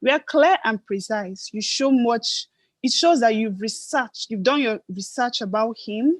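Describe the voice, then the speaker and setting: A woman with a fairly high, somewhat breathy voice speaks at a moderate pace with lively intonation, in a dry, close sound with no echo. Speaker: speech evaluator at a public speaking club. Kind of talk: speech evaluation.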